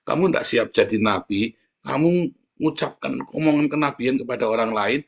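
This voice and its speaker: A man's voice: normal speed, creaky. A man from Indonesia with a Javanese Tegal accent, preaching a sermon in a chatty storytelling way. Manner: animated storytelling, jumps up into high mimicking voices.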